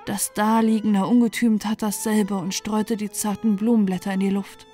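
A woman calmly reading a dark fairy tale aloud as a bedtime story, in a gentle, even manner. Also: mid-range voice, moderate pace. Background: soft background music.

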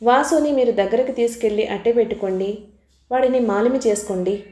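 A gentle, persuasive young woman who keeps trying to calm others down, as the narrator reads her. Her voice is fairly high and mellow, with a roomy echo around it. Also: brisk, close to an everyday voice.

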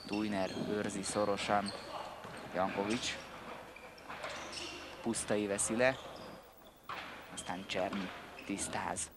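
A man's voice: on the low side, little pitch movement, long pauses. A man giving play-by-play sports commentary in short, clipped calls. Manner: terse, clipped calls of players' names. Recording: noisy indoor sports hall recording. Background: sports hall noise, bouncing ball.

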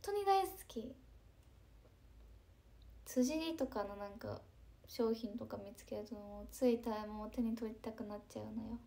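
A woman's voice: a little high, normal speed, vocal fry, pauses often. Chatty young woman with a lilt. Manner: chatty, breezy, drops into soft asides. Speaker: idol livestreamer reading chat comments. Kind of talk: casual live-stream chat.

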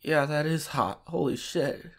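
A man voicing a shy, submissive, sick young boyfriend in an ASMR audio roleplay, congested and soft, with hesitant, pleading delivery. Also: on the high side, measured pace. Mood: tired, obedient. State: sick, sore throat, stuffy nose.

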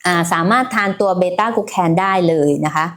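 A woman's voice: on the low side, fairly quick, fairly bright tone, slight background noise. Woman doing a chatty health livestream, lots of fillers, talks right to her viewers. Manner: chatty, many fillers, addresses viewers directly. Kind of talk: casual livestream health talk.

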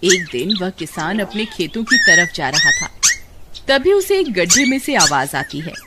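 A woman giving scripted storybook narration in an expressive storytelling manner, over loud background noise. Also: medium pitch, normal speed.

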